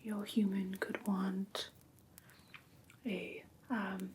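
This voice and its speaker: A woman playing a gentle vampire teacher in a whispered ASMR roleplay lesson, patiently instructing in a breathy whisper close to the microphone. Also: medium pitch, level tone, extremely slow, exaggerated voice. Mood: gentle, instructive. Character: gentle female vampire teacher of human pet care. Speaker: host of a roleplay class, as instructor.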